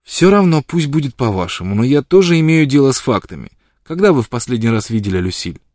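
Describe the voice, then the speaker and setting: A man's voice: mid-range voice, sing-song, quick pace, darkish tone, no room sound, clean studio sound, pitched above the performer's own voice, close to an everyday voice. A man voicing a bold, teasing young woman in an audiobook reading, with a light, mocking delivery.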